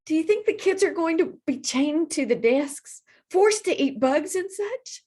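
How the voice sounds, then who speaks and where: Lady doing a worried little hippo girl from a picture book, high voice, kinda dramatic, very up and down. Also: lively intonation, unhurried, darkish tone. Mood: anxious. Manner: fretful, dramatic. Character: anxious young girl hippo dreading preschool.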